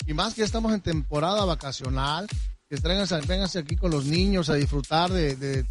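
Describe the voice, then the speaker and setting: High-voiced Mexican chef listing dishes. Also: male voice, a little fast, over music. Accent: Mexican Spanish. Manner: eager, listing dishes one after another. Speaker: hotel restaurant chef. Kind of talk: live radio interview promoting a menu.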